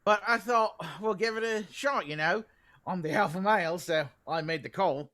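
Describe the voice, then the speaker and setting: A man acts a werewolf pack leader for a comedy read. The voice is high and piercingly bright, sure of itself and plain-spoken, as in a documentary voiceover. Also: moderate pace. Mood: matter-of-fact. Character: Anton, self-assured male werewolf pack leader.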